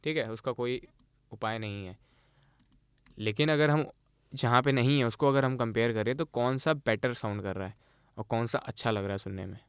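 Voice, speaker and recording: A man's voice: medium pitch, moderate pace, smooth, dry recording, studio quality. A man teaching audio basics to a small class, putting questions to his students and explaining by comparing recordings.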